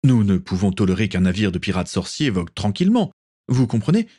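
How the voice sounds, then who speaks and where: A man's voice: fairly low pitch, very animated, fairly quick, warm tone, slightly rough. A male narrator voicing a self-righteous colonial governor with a lofty, lecturing manner.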